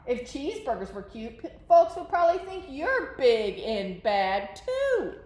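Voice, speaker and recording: A woman's voice: sits high, big pitch swings, unhurried, a little mellow, roomy sound. A woman voicing a storybook wolf who chattily protests his innocence as he tells his side. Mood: aggrieved, confiding. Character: self-justifying folksy wolf telling his side.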